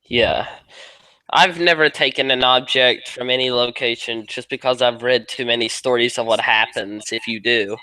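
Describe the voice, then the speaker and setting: A man's voice: mid-range voice, fairly even intonation, normal speed, pushed and bright, poor audio. A man hosting a casual conversation, agreeable and conversational. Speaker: host.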